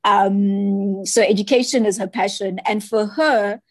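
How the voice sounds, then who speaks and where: A woman's voice: mid-range voice, fairly even intonation, a little slow, dry recording. Chatty South African woman, dry sound. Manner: chatty storyteller, often adds "you know" and "right". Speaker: children's book author, guest. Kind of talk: casual interview chat.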